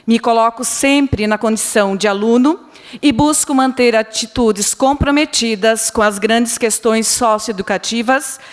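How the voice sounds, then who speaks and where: A woman's voice: on the high side, measured pace. A middle-aged woman teacher with a Brazilian Portuguese accent giving a gracious, formal thank-you speech. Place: council chamber. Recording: long reverb of a council chamber.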